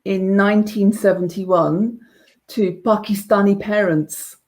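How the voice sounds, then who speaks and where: A woman speaks at a middle pitch in a steady, earnest way. She tells her story as an interview guest, with some restarts. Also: takes it slowly. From England. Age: around 50. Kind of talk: personal testimony in conversation.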